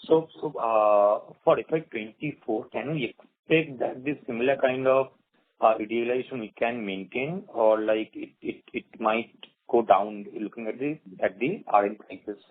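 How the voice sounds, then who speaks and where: A man with an Indian accent puts questions to management on a conference call. He is halting and doubles up words, with a slightly rough, mid-pitched voice. The sound is narrow telephone audio. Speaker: individual investor asking questions. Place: phone call. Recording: tinny phone line, radio-like.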